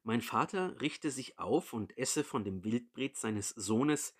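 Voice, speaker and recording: A bitter grown son pleads earnestly with his father, as a man reads him. The voice sits at a middle pitch and moves slowly. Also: expressive, slightly rough. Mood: pleading.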